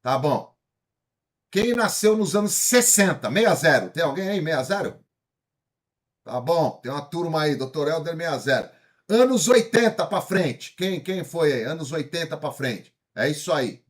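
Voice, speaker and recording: Paulistano guy in his 50s lecturing a crowd, kinda husky, high-ish voice, keeps asking "tá certo?". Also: unhurried. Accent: Paulistano Brazilian Portuguese. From São Paulo, Brazil. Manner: energetic, asks the audience questions, frequent tag questions. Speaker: speaker. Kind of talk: motivational lecture to a live audience.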